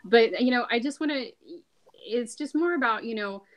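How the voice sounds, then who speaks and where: A woman's voice: on the high side, normal speed, slight background noise. A woman speaking earnestly and emphatically in a casual podcast discussion.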